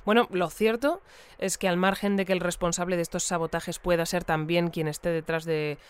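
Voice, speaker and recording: Casting: inquisitive, courteous bulletin presenter for a radio drama acted, smooth clear voice, measured interview questioning. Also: mid-range voice, steady tone, lightly acted. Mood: probing. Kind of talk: audio fiction acted as a radio news interview.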